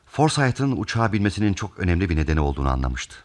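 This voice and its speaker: An actor playing a calm, methodical detective who explains a case deliberately in a radio theatre mystery. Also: male voice, deep voice. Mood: patient, explaining.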